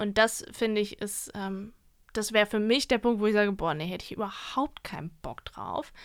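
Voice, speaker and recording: On a very clean recording with a silent background, a woman talks in a fairly high voice. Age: 20s. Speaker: podcast co-host. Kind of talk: casual chat. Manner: animated.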